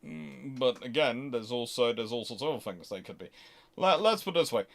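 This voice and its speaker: A man's voice: mid-range voice, animated, brisk, vocal fry, fairly bright tone. A man hosting an unscripted question-and-answer talk, speaking discursively and working through his thoughts aloud. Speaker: host answering audience questions.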